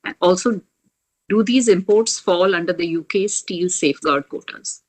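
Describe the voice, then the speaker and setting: A woman moderating a corporate earnings call, measured and businesslike, pausing often as she reads out questions. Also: lowish voice, darkish tone.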